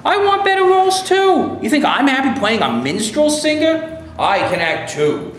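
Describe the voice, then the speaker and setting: Man doing a brusque white actor, condescending, high lively voice, very echoey room. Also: normal speed, exaggerated voice. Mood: dismissive. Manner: curt, condescending. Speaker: actor in a staged reading. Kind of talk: staged play reading. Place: stage before a live audience. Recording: very echoey room, faint noise.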